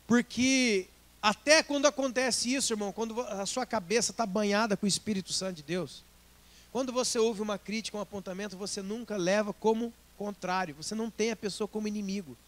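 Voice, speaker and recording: A Brazilian man preaching a sermon as pastor, lively and joking, slipping into quick acted asides. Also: sits high. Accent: Brazilian Portuguese.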